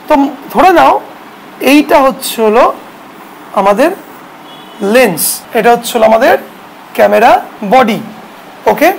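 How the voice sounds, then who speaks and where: A woman with a high voice lectures a photography class. She keeps asking her students questions and then answers them herself. A faint background noise runs under her voice. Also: low-quality recording. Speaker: photography teacher.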